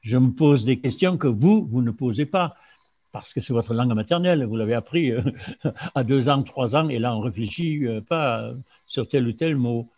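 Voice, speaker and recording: A man from Germany whose first language is German speaks in a mid-range voice. He gives a loose, informal talk full of pauses, fillers and restarts. The recording is dull and lo-fi. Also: medium pitch, a little mellow. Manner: halting, many fillers and restarts. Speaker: speaker on fasting. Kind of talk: informal lecture to an audience. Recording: dull lo-fi sound.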